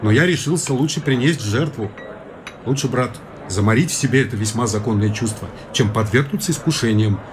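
An actor playing a worldly bachelor friend in a radio play, matter-of-factly lecturing against marriage. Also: male voice, medium pitch, brisk, a crowd in the background, close to an everyday voice. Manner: lecturing, confiding, matter-of-fact. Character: worldly bachelor friend, sober-minded young man.

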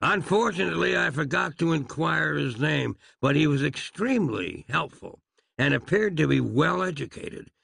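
A man's voice: fairly high pitch, animated, normal speed, gravelly, fairly bright tone, husky, no room sound, pitched above the performer's own voice, full character voice. A man playing a prim, wordy doctor. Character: fussy polite educated gentleman doctor, a grown man.

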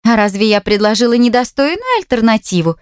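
A woman's voice: high voice, animated, moderate pace, no echo, studio quality, pitched above the performer's own voice. A woman putting on a venomous, coquettish young woman. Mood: mocking, venomous. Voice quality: mocking, sugary and spiteful. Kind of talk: audiobook character voice.

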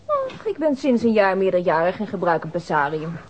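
An actress playing a pert, unabashed young university student in a radio drama, prim and cheeky. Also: female voice, medium pitch, huge pitch swings, brisk. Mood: pert, indignant. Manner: prim, cheeky, matter-of-fact. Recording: muffled, noisy old radio drama recording.

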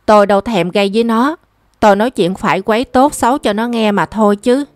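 A woman's voice: medium pitch, fast, no echo, faint music behind, natural voice. Defiant sulking stepson, as a woman reads him. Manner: defiant, reproachful retorts. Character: angry stubborn young boy, sulking stepson.

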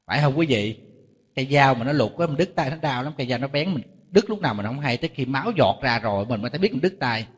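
A male Buddhist monk with a Southern Vietnamese accent giving a lively sermon, often asking the audience rhetorical questions. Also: mid-range voice, quick pace, breathy edge. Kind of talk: dharma talk sermon. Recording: long reverb hall.

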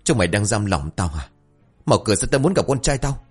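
Gruff old village father, low and quick-tempered, played by the narrator, faint music behind. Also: sing-song. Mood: furious. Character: angry older village father, grief-stricken.

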